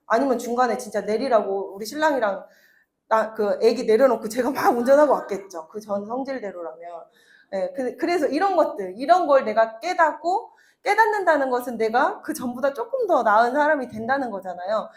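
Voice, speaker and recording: A woman in her thirties giving a chatty motivational talk to an audience, telling personal stories with laughs and acted-out quotes. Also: a little high. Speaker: network marketing speaker.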